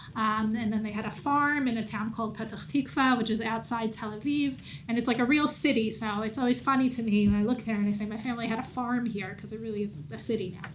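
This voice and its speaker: A woman with an American accent talks at a very fast pace with hardly any pauses, using a fairly high pitch and ordinary pitch variation, amid audible room echo. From United States. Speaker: journalist. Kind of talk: lecture Q&A. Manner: hesitant, many fillers.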